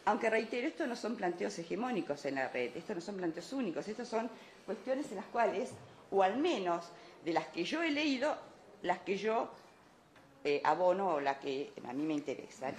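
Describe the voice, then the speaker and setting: A woman's voice: medium pitch, sing-song, moderate pace. Woman giving an academic talk, echoey room. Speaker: academic conference speaker. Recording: echoey room, light background noise.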